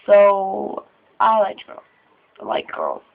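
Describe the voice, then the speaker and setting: 21 yr old trans guy vlogging, nervous and halting, gravelly fry, sounds tinny like a phone. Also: high voice, huge pitch swings. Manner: nervous, halting, with sighs and laughs. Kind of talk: personal confessional vlog.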